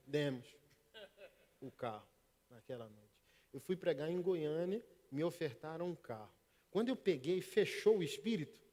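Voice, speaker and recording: A middle-aged preacher delivers a sermon, moving from hushed passages to loud bursts. His voice sits a little high for a man. It rings out with the long reverb of a church hall. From Northeast Brazil. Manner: storytelling, swings from hushed to loud. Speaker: pastor. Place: church service.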